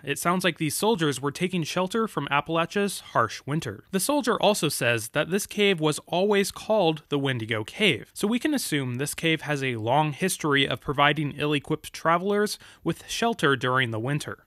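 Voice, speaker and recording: A man with a fairly high, bright voice narrates a scripted game lore video. His delivery is animated and deliberate, leaning dramatically on key words, in a dry, close recording. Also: no room sound.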